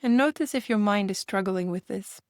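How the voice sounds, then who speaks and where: A woman leading a guided meditation in a gentle manner, speaking in unhurried invitations with long pauses. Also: medium pitch, no room sound, clean studio sound.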